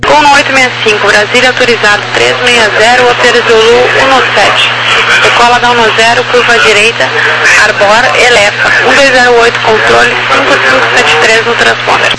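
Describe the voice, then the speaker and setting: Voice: medium pitch, fairly even intonation, normal speed, vocal fry. A Brazilian air traffic ground controller giving clipped instructions to pilots over a walkie-talkie style radio. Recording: very noisy aviation radio channel.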